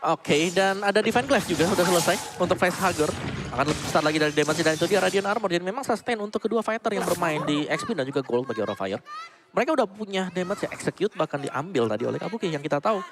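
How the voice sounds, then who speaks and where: A man's voice: high voice, expressive, quick pace. A man with an Indonesian accent giving live analytical commentary on an esports match. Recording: clear noise behind the voice.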